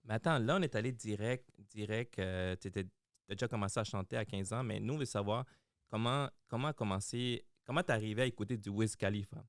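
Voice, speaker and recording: Lower-voiced hyped Québécois co-host. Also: male voice, fairly quick, dry recording, studio quality. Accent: Québécois French. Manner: hyped, lively, eager questions. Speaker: podcast co-host. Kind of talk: casual podcast chat.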